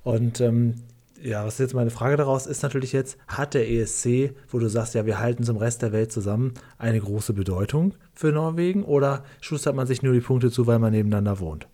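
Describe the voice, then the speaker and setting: A man's voice: mid-range voice, a little fast, dark tone. Rambling wry man, casual chat. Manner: rambling, self-correcting, wry.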